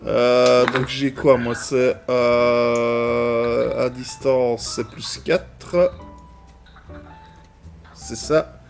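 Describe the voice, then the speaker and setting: A man's voice: medium pitch, fairly even intonation, drawn-out words, gravelly, pauses often, music in the background. A man with a French accent, a player in a tabletop role-play, thinking aloud as he works out rolls. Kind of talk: casual tabletop game banter.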